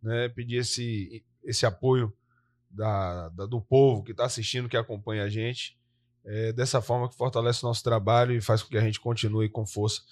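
Guy cohosting a live podcast, chatty and lively, cop on the mic. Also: medium pitch, normal speed. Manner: lively, talkative, often tags "né?". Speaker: co-host, police soldier.

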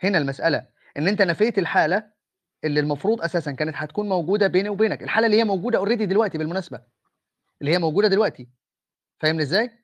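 An Egyptian man arguing for his faith in an online voice-room debate, talking softly and patiently, often stopping to ask for patience. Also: high-pitched, no room sound. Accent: Egyptian Arabic. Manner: measured, calls for patience, speaks softly. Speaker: Muslim debater.

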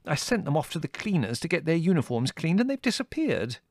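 A man's voice: fairly high pitch, very animated, fairly quick, no room sound, clean studio sound, voice pushed up. A man voicing a fussy, agitated old colonel who blusters in clipped phrases.

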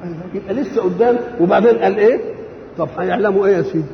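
A man with an Egyptian accent explaining scripture in a religious lesson, often asking himself questions and answering them. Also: sits high. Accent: Egyptian Arabic. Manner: keeps asking and answering his own rhetorical questions; gravelly, lively and quick-spoken. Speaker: Quran commentator. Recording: echoey hall, dull lo-fi, faint hiss.

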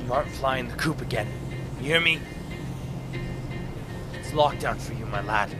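A man's voice: medium pitch, moderate pace, music in the background, lightly acted. A man playing a domineering, exasperated older brother and war veteran who scolds in an audio drama. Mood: stern scolding. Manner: scolding, exasperated, barking orders. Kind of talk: actual-play audio drama roleplay.

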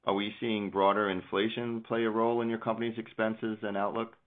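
Man, deep voice, analyst caller, orderly business questioning, telephone-band audio. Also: flat delivery, fairly quick. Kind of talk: polite prepared business question. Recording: narrow phone-line call.

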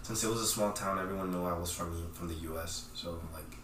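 A man talking as a podcast guest, soft-spoken and halting, with many pauses and fillers. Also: low voice. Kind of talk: casual interview. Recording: roomy, distant mic with faint noise.

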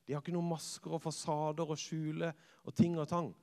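A man, a church youth leader telling a personal story in a sermon, swinging from lively to hushed. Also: fairly high pitch. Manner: lively storyteller who acts out quotes and drops to hushed tones. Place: church hall. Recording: long reverb of a church hall.

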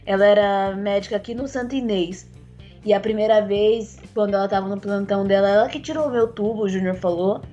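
Soft-spoken woman with a slightly rough voice. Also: mid-range voice, dull audio, soft background music. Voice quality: voice still rough since a tracheostomy. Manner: earnest, halting, with many fillers and restarts. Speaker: interviewee. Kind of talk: personal account in a conversation.

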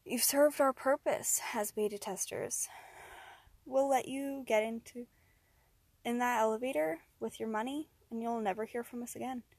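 A woman reading the lines of a sinister woman who speaks in a smug, calm way. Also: on the high side, moderate pace, husky, no echo.

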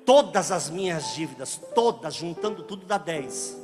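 A man with a Brazilian Portuguese accent preaching a sermon as a joking, animated story, acting out the dialogue as he goes. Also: on the high side, normal speed. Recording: reverberant hall with music behind.

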